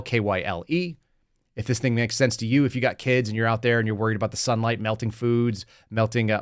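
Fast-talking brash podcast host man. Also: on the low side, no echo, clean studio sound. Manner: brash, casual, punchy ad reads. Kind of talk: podcast monologue and interview.

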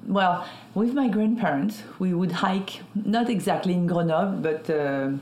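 A woman from France with a French accent and French as her first language, answering interview questions in an unhurried way and pausing with fillers to find words. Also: on the low side, a little mellow. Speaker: guest, skincare founder. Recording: roomy echo.

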